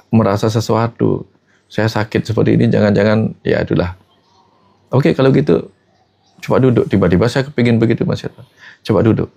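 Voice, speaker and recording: A spiritual teacher with a deep, gravelly, darkish voice talks casually, telling stories. He quotes people in his tales and keeps addressing his host by name, repeating it often.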